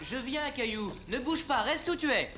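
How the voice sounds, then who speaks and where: A man voicing a caring, playful father who explains things gently to his small boy in a children's cartoon dub. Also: extremely high pitch, moderate pace, very noisy. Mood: animated. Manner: gentle, patiently explaining, expressive. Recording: music under the voice.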